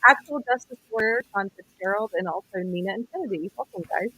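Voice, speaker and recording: Muffled woman host, bass-only sound. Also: expressive, fast, pushed and bright, slight background noise. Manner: awkward, apologetic. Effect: muffled audio, bass only. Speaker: live stream host. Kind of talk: casual live stream chat. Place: home under renovation.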